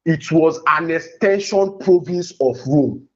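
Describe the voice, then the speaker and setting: A man's voice: on the high side, a little slow. A Nigerian man with a Nigerian accent arguing insistently in a heated religious debate, repeating phrases as he presses his point. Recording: dull lo-fi audio.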